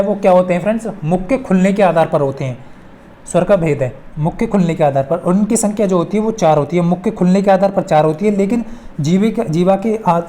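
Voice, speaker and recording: Mellow-voiced woman teaching. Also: fairly low pitch, a little hiss or hum. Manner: instructional, repeats phrases for emphasis. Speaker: exam-prep teacher. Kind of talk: informal lesson working through multiple-choice questions.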